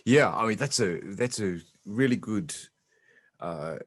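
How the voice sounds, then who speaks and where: A man's voice: lowish voice, lively intonation, takes it slowly, dry recording, clean studio sound. A man raised in New Zealand hosting a webinar interview over a video call, asking probing questions in a conversational, hesitant way. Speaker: host.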